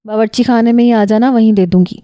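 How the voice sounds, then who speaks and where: A woman's voice: on the high side, steady tone, dark tone, dry recording, close to an everyday voice. A woman voicing a caring, stubborn young woman who scolds with affection. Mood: teasing affectionate.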